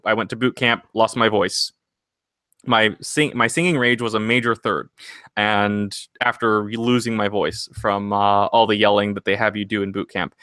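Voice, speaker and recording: A man's voice: on the low side, sharp tone, smooth, no echo, clean studio sound. Earnest rambling man on a podcast. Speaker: singing podcast host and vocal coach. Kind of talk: casual podcast chat.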